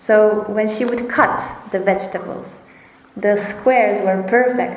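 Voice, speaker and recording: A woman with a non-native accent and a fairly high pitch speaks at a fairly slow pace with fairly even intonation. Audible room echo and noticeable background noise surround her voice. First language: not English. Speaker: spiritual speaker. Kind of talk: lecture. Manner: halting.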